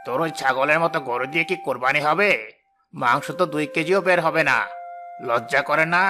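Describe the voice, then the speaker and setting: A man's voice: fairly high pitch, fairly quick, sharp tone, faint music behind. A man voicing a boastful, wealthy village man in a cartoon story, speaking with mocking contempt. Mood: scornful.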